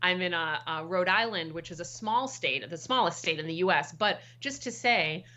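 A woman's voice: on the low side, lively intonation, moderate pace, pushed and bright, a little hiss or hum. A middle-aged American woman, a professor guest, explaining at length in a podcast interview and often checking in with "right?". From United States. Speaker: guest expert, political science professor.

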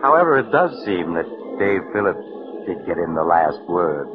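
A very deep-voiced, wry male storyteller over music; muffled vintage radio. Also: sing-song, moderate pace. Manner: wry, insinuating. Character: sly, sardonic male storyteller traveling by train. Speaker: show host and narrator. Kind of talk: 1940s radio acting. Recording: dull 1940s radio broadcast with music.

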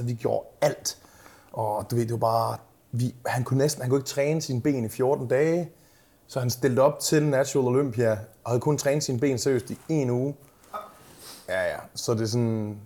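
A man in a relaxed podcast conversation, speaking at a middling pitch. He is a coach who tells stories with lively energy. He leans on fillers and drops casual swear words as he goes. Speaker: bodybuilding coach.

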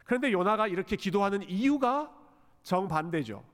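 A male pastor delivering a Sunday sermon, expressive and dramatic, dropping English phrases into his preaching. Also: high-pitched, moderate pace. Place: church sanctuary. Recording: long church hall reverb.

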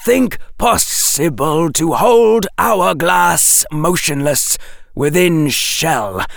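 A man's voice: fairly high pitch, creaky, a bit bright, no echo, studio quality, voice pushed up, heavily acted. Man hissing as a sardonic, clipped snake. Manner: clipped broken speech, slow and deliberate.

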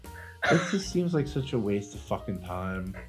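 A man's voice: lowish voice, very animated, measured pace, soft background music, poor audio. A man co-hosting a casual comedy podcast, joking crudely and teasing his friend. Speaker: podcast co-host.

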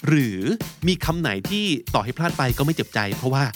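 A man hosting a podcast vocabulary lesson, explaining words slowly and spelling letters aloud. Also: a little high, animated, over music. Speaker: English vocabulary podcast host.

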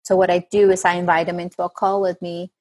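A woman's voice: on the low side, level tone, fast talker, a little mellow. A woman from Colombia with a Colombian Spanish accent, speaking as a guest coach in an earnest, hesitant way with fillers and restarts. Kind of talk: casual interview talk.

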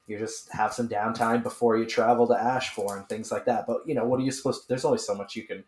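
A man's voice: on the low side, level tone, fast, a little hiss or hum. Easygoing man with a roomy echo. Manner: easygoing, laughs a lot. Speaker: player. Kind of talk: casual podcast chat.

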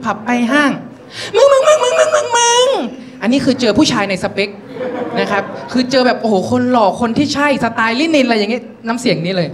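A man's voice: very high voice, fast talker. A man from northeastern Thailand performing a live stand-up set, telling stories and slipping into character voices, speaking into a handheld mic. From Nakhon Ratchasima, Thailand. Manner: storytelling, animated voices, polite particles. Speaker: stand-up comedian.

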